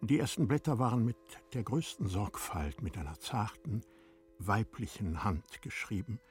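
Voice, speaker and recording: A man narrating a literary radio play in a measured, deliberate manner, letting phrase endings drop to a hush. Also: on the low side, animated, soft background music.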